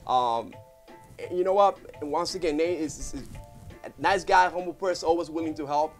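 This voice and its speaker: A man's voice: a little high, fairly quick. Man with faint music. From Puerto Rico. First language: Spanish. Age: 30s. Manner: rambling, heartfelt, many fillers and restarts. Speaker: guest, business owner. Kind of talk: casual interview talk. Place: studio.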